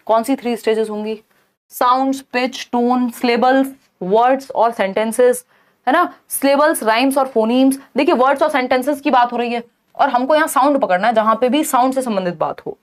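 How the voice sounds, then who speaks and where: A woman teaching an online exam-prep lesson, explaining in Hindi and reading English questions out slowly. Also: fairly high pitch.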